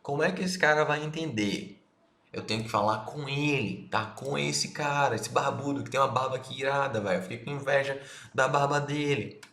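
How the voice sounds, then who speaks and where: A man's voice: medium pitch, fairly quick, fairly bright tone. A Brazilian man in his thirties giving a casual online marketing lesson, slangy and direct, talking straight to the viewer. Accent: Brazilian Portuguese. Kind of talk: casual recorded course lesson. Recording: echoey room, faint noise.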